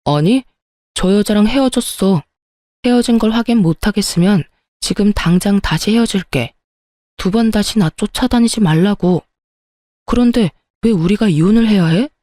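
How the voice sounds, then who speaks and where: A woman's voice: mid-range voice, moderate pace, mellow, dry recording, close to an everyday voice. Woman playing a whiny cheating husband. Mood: pleading. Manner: pleading, defensive. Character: cheating husband, pleading and self-justifying man.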